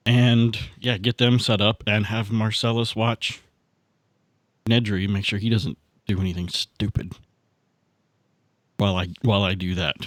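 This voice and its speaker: A man with a slightly low voice talks casually as a player in a tabletop game. He is halting and often repeats words. The sound is dry and close. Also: no room sound.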